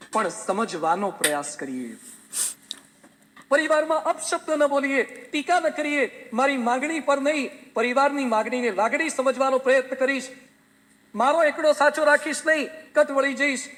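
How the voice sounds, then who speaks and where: A man, a swami, giving a sermon full of homely anecdotes and gentle humor. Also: very high-pitched, animated, normal speed, in a large hall, slight background noise. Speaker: swami preacher.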